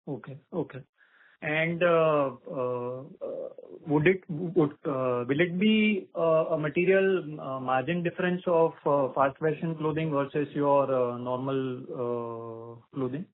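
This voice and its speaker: A man's voice: on the high side, slow pace. A man asking hesitant, stop-start questions as an analyst on an earnings call. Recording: thin phone-line audio.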